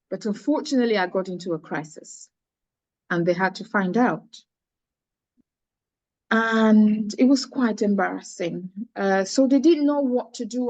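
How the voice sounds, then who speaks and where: A middle-aged woman speaks in a mid-pitched voice, recounting her life story earnestly with frequent restarts. The sound is dry and close, with no room echo. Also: darkish tone, lo-fi sound. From Cameroon. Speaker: charity founder, guest. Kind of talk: personal story in interview.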